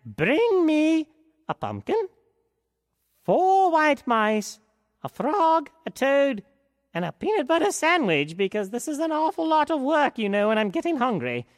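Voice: high-pitched, huge pitch swings, a little slow, studio quality, voice pushed up, full character voice. A storyteller voicing a fussy, tired old fairy godmother who dithers and frets, with a long hall reverb behind the voice. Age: older. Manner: dithering, flustered, chatty.

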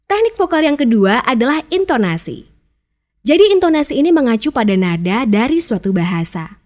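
A chatty woman explains speaking technique in a relaxed podcast lesson. Her voice sits on the higher side, and she keeps the tone upbeat. Now and then she acts out sample phrases. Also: a little fast. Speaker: public speaking coach.

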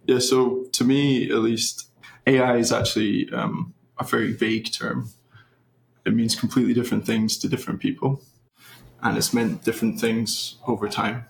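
Scottish engineer guest, young man, gravelly low-key delivery, roomy sound. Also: moderate pace. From Scotland. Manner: relaxed, thoughtful, hesitant with fillers. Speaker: research engineer. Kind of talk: interview guest, explaining. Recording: roomy echo.

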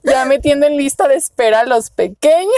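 There's no echo on this young woman's high-pitched voice. As a podcast co-host with a Mexican accent, she chats casually through a dating story, breaking into frequent laughter and squealing while quoting her own words.

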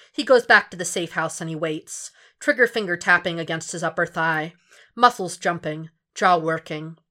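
A woman's voice: fairly low pitch, pushed and bright. A woman reading scripted fiction aloud as an audiobook narrator, in a dramatic storytelling style.

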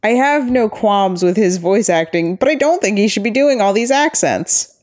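A woman co-hosting a podcast, reviewing an animated film in casual chat with wry, opinionated remarks and the odd swear word. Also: mid-range voice, moderate pace. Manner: wry, opinionated, profane asides. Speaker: podcast co-host.

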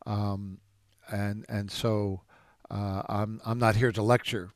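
A man's voice: fairly low pitch, level tone, slow pace, no echo, studio quality. A man who is a jazz drummer and music teacher, answering interview questions in a reflective storytelling way with frequent restarts.

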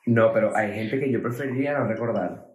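A man's voice: on the low side, fairly quick, darkish tone. Laid-back Venezuelan man in casual chat. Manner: laid-back, slangy, retells quotes. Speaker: podcast co-host. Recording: roomy echo.

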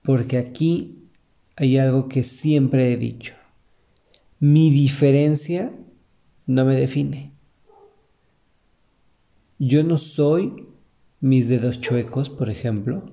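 Slow, very dark-voiced Mexican man. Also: medium pitch, creaky. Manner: earnest, motivational, speaks to the listener directly. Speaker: podcast host. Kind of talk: reflective podcast monologue.

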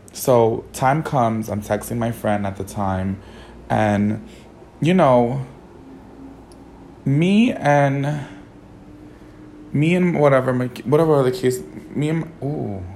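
Hoarse gravelly young guy, sassy and campy, lowish voice, recorded in a car with faint hum. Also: a little mellow. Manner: sassy, campy, swears a lot. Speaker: podcast host. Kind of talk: casual storytelling monologue.

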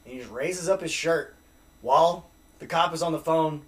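A man's voice: a little high, normal speed. Profane storytelling man. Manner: animated, profane, acts out quotes. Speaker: podcast guest. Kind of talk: casual storytelling.

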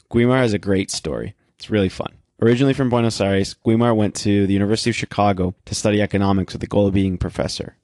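A man's voice: on the low side, darkish tone, dry recording, studio quality. A man hosting an interview podcast, reading a scripted intro and asking questions in an upbeat way with short reactions. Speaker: podcast host.

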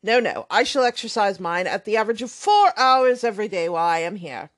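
A woman voicing a boastful, blustering young man, loud and emphatic. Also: mid-range voice, brisk, lightly acted.

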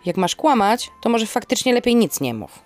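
Woman acting young niece, audio drama, sarcastic, exasperated, ironic grumbles, expressive swings in pitch. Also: normal speed, faint music behind. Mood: annoyed. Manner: ironic, muttering or snapping. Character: exasperated sarcastic young niece tidying grandmother's forest cottage.

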